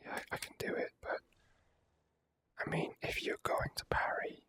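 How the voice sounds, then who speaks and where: This is a gaming creator doing ASMR commentary in a soft whisper. The whisper has a bright, crisp edge and never turns into full voice. The delivery is casual and unhurried, with the odd mild swear.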